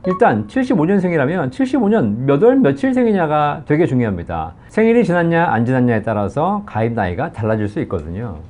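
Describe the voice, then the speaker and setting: A man's voice: a little high, a little fast, few pauses. A middle-aged man who hosts a pension consulting channel, explaining the terms to viewers in a persuasive way and now and then acting out what callers ask. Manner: lively, persuasive, acts out callers' questions.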